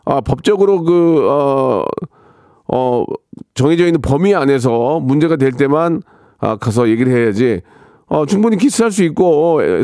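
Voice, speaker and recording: A man's voice: fairly high pitch, darkish tone, dry recording, studio quality. A man hosting a radio show, reading listener questions and giving blunt, joking advice with many fillers. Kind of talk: casual advice chat.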